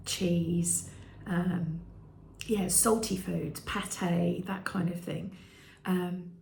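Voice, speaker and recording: Woman, 50s, British, flat low-ish delivery with a gravelly edge; hesitant personal vlog, echoey room. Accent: British English. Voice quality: croaky at times. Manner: hesitant, many ums and restarts. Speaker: vlogger.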